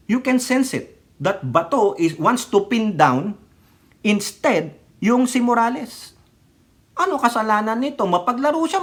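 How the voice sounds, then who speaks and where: A woman with a fairly high voice delivers opinionated political commentary for her vlog. She scolds her target and keeps firing rhetorical questions. She switches between Tagalog and English mid-sentence. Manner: rhetorical, scolding, keeps asking "right or wrong?".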